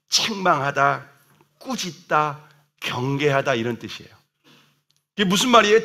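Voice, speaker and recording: A man's voice: high voice, sharp tone. A man, the senior pastor, preaching a sermon to his congregation, emphatic and asking questions, acting out dialogue. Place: church sanctuary.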